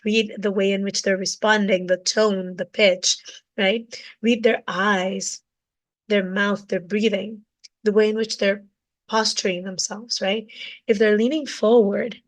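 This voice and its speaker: A woman with a cold and a raspy voice, teaching communication from her office. She ends her points with "right?" tag questions. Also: mid-range voice, rough recording. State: has a cold. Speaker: communication coach. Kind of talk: direct-to-camera teaching talk.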